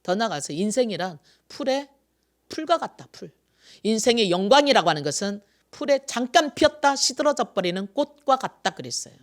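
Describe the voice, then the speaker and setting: A pastor in their sixties delivers a Sunday sermon at a fairly quick pace, medium-pitched with big swings in pitch. The preacher asks the congregation rhetorical questions and repeats phrases, rising to loud emphasis before dropping to quiet asides.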